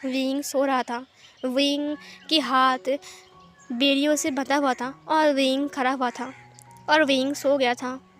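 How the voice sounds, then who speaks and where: A woman's voice: sits high, flat delivery, slow pace, a bit bright. A woman casually narrating a fan-fiction story. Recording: faint background music.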